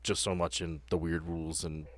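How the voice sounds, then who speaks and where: Low-voiced man running a tabletop game. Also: little pitch movement, fairly quick, dry recording. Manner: profane, digressive, nerdy asides. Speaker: game master. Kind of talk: narrating a tabletop game, casual banter.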